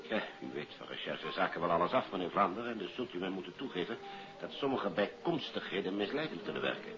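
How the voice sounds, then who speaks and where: An actor playing a polite, businesslike police investigator in a 1950s Dutch radio play. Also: male voice, low-pitched, very animated, fast talker. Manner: formal, courteous, matter-of-fact. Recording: dull old radio recording, music behind.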